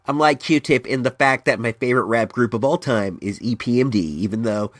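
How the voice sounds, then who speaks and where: This podcast host from Northern California rambles through a casual chat, restarting often and rising and falling animatedly, nose congested from allergies. His voice is mid-range and a little fast, with no echo.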